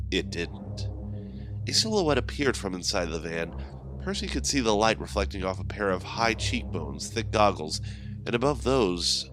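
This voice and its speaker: Male horror narrator, low register, measured theatrical delivery, scripted storytelling with clear music bed. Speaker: horror anthology host and narrator.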